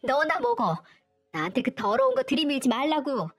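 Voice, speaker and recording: A woman reading a story aloud, voicing a furious young wife who shouts in a shrill, tearful voice. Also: very animated, moderate pace, creaky, soft background music, exaggerated voice.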